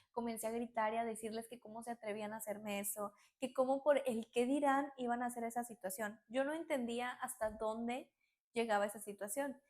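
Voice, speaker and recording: A woman narrating a personal story in an animated way, acting out quotes. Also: on the high side. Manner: animated, acts out quotes, many fillers.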